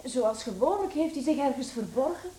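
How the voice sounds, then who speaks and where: An actress playing a dutiful, protective young daughter in a radio play, speaking politely and carefully, coaxing. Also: female voice, high-pitched, lively intonation, moderate pace, mellow, reverberant.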